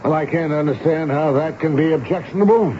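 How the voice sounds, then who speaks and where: An actor playing a kindly, measured army major, a fort commandant with educated speech, in a 1970s radio drama. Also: male voice, on the high side, close to an everyday voice. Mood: puzzled. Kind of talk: 1970s radio drama acting, first-person narration and dialogue. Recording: dull, noisy old radio broadcast recording.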